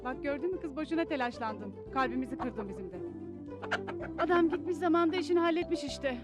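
A woman's voice: high-pitched, lively intonation, fast talker. A woman playing a grumpy older sister who scolds in a sitcom. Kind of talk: TV sitcom acting. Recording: TV episode with loud music underneath.

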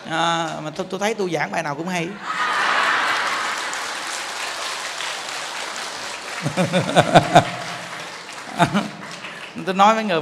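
A man preaches a Buddhist sermon in a Southern Vietnamese accent, high-pitched and sharply bright. He talks in an animated, joking way and keeps asking his listeners questions. His voice rings out with a long reverb, as in a large hall. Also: a little hiss or hum.

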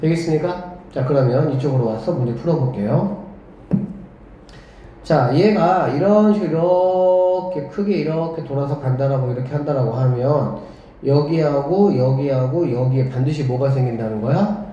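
A man's voice: on the high side, moderate pace, warm tone, slight background noise. A man teaching a math lesson at the board who keeps checking in with rhetorical questions and murmurs as he draws. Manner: talks while drawing on the board, murmuring along. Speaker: academy director teaching math. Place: classroom. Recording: echoey classroom on a dull lo-fi mic.

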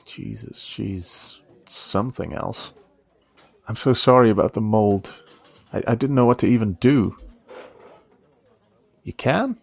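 An earnest young guy , played by a man in a romantic audio drama. He talks slowly and casually with some gravelly fry, hesitant and protective, as if thinking aloud. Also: lowish voice, lively intonation, no echo, exaggerated voice. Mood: awkward, then impressed. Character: earnest, protective young male café trainee, eager to learn. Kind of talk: intimate first-person audio roleplay.

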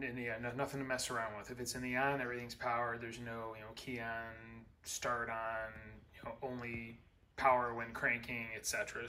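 In a garage workshop, a middle-aged man gives a casual update on his car build, explaining it plainly and methodically with plenty of "uh" and "um." His voice is medium-pitched and fairly bright.

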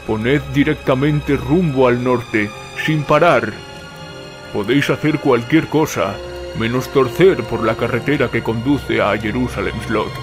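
An actor as an ominous storyteller over loud music. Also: male voice, medium pitch, unhurried, lightly acted. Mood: ominous warning. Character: ominous local man warning travelers away. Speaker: narrator character in an audio drama. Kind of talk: dramatic first-person storytelling.

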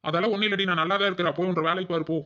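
Rapid curt cartoon husband, voiced by a man. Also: sits high, steady tone, sharp tone, dull audio. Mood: grumpy. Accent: Kongu Tamil. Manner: curt, snapping replies. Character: sulky jealous village husband, curt and grumpy. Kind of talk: cartoon voice acting.

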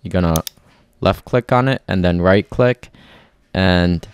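Male tutorial presenter, deep register, clean resonant tone, methodical step-by-step delivery, dry close recording. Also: unhurried. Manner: clear, methodical instructing. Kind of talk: step-by-step software tutorial voice-over.

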